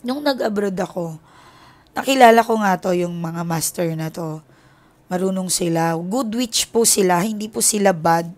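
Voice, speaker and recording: A woman's voice: on the low side, normal speed, darkish tone. A woman from the Philippines, a tarot reader, telling a personal story in a candid, confiding way, linking her thoughts with many filler words.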